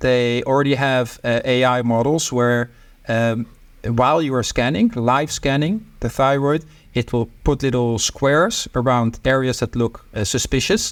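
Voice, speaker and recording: In a Dutch accent, the speaker talks at a fairly slow pace with ordinary pitch variation. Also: man, medium pitch for a man. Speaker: physiotherapist and ultrasound teacher. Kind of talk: podcast interview. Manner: hesitant, many fillers.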